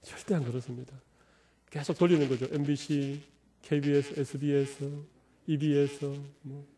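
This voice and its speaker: A man's voice: fairly high pitch, little pitch movement, normal speed, dark tone. A middle-aged man preaching a sermon as pastor, conversational and humorous, acting out little quotes of everyday talk.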